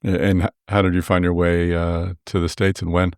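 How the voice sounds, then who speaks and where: A man's voice: sits low, flat delivery, fairly quick, clear, resonant tone, no room sound, clean studio sound. A man hosting a podcast interview, asking long rambling questions full of fillers and restarts. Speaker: podcast host.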